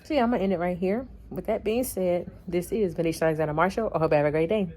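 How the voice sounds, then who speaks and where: A woman's voice: fairly low pitch, rapid-fire, darkish tone. A woman chatting casually in a vlog, laughing often and acting out bits of her story. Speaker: vlogger.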